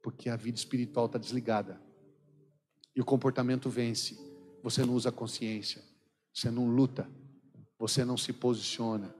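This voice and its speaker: A Brazilian man with a São Paulo accent preaches a sermon in a large church hall, and his mid-pitched voice rings out with a long reverb. He tells stories with a joking edge, laughing often and acting out what people said. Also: little pitch movement, a little fast, pauses often, a little mellow, slight background noise. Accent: Brazilian Portuguese, São Paulo. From São Paulo state, Brazil. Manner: jokey storytelling, acts out quoted dialogue, laughs often. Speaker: missionary preacher.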